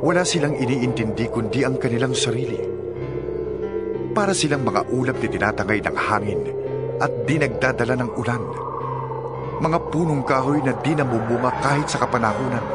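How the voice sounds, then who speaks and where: Clear music plays under a man's mid-pitched voice. He narrates scripture with a Filipino accent in a solemn, dramatized style, setting out each phrase with weight and emphasis. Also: normal speed. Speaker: audio Bible narrator.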